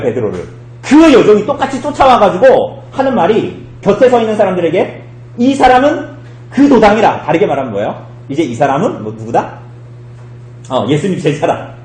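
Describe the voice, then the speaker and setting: A male pastor preaching a sermon, telling the story in an animated way and acting out the quoted lines. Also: high-pitched, reverberant, low-quality recording. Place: church sanctuary.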